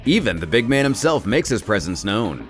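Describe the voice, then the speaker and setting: A man narrating a scripted story recap as channel host, telling it in an expressive way with casual asides. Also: on the low side, moderate pace. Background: soft background music.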